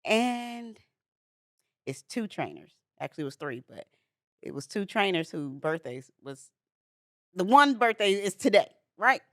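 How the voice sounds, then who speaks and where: A woman's voice: medium pitch, very animated, unhurried, long pauses, a bit bright, dry recording, studio quality. A woman in her forties co-hosting a podcast, telling a story in casual chat and laughing easily. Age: 40s. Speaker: podcast co-host.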